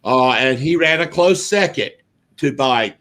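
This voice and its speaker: A man's voice: mid-range voice, expressive, unhurried, a bit bright. A man with a Southern drawl from North Carolina, hosting a casual political talk radio show in a rambling, folksy way with many fillers.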